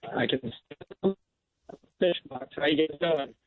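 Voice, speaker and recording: A man calls in from a fishing boat on a tinny phone line that keeps cutting out. His voice sits a little high and dry, and he talks in a plain, easygoing way with a lot of "uh"s. He sounds like a fishing guide chatting on call-in radio. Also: moderate pace, no room sound. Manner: plain-spoken, easygoing, with frequent "uh" fillers. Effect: phone line breaking up. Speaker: fishing guide and association president.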